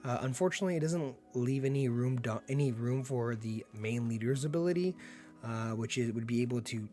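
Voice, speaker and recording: A man getting over being sick, with a slightly hoarse voice, giving upbeat, laid-back play-by-play commentary on a card game and laughing often. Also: medium pitch, brisk, dark tone, soft background music.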